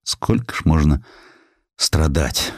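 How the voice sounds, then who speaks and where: A man's voice: a bass voice, lively intonation, gravelly, no room sound, studio quality, heavily acted. A man playing an eloquent, moralizing defense lawyer, speaking emphatically and rhetorically in an audiobook drama. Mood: troubled, reflective. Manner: emphatic, rhetorical, drawn-out key words.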